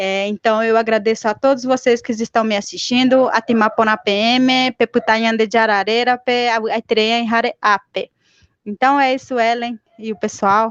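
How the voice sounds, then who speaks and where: A woman with a Paraguayan accent talks at a moderate pace and fairly high pitch, monotone and flat, in a dry, close sound with no echo. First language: Guarani (speaking Portuguese). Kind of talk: conference talk. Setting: online live panel.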